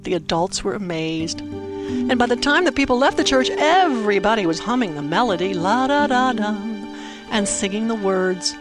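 A woman telling a dramatic Christmas story for children, with simple, expressive phrasing and emphatic pauses. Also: medium pitch. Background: music under the narration.

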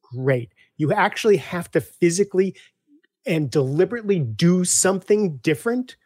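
Animated man coaching on an interview. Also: high voice, moderate pace, dry recording, clean studio sound. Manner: animated, acts out dialogues with clients. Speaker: podcast guest, coach. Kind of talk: casual interview talk.

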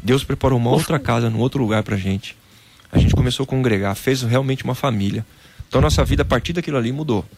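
A Brazilian ex-footballer, interviewed casually, relates his faith story with animation and lots of "cara." He talks fast in a medium-pitched, husky voice marked by vocal fry.

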